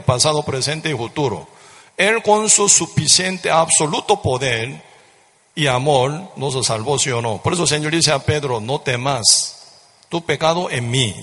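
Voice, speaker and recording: A man's voice: a little high, fairly bright tone, breathy edge. A man preaching a sermon with fervent repetition, often tossing rhetorical questions at his listeners. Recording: reverberant hall.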